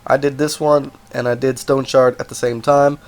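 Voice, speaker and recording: A man's voice: medium pitch, flat delivery, normal speed. Stuffed-up man reviewing a game. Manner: rambling, self-correcting, apologetic asides. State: stuffed up from a cold. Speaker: game reviewer, channel host. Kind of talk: casual spoken game review.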